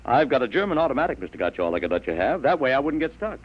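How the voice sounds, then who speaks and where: A middle-aged father in a 1950s radio play. He is affable and a bit hesitant. His pitch moves around a lot as he gets flustered. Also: very animated, racing, breathy edge, low-quality recording. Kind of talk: 1950s radio drama acting. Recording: vintage 1950s radio broadcast.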